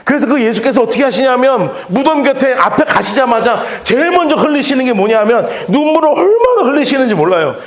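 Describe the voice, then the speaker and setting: Male pastor, high lively voice, preaching in an echoey church hall. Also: a little fast, hardly any pauses. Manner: emphatic, rhetorical questions to the congregation. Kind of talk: sermon. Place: church sanctuary.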